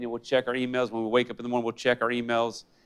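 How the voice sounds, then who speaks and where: This is a man talking at a medium pitch. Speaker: school district safety director, former police officer. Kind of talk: presentation at board meeting. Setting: board meeting room. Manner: fast.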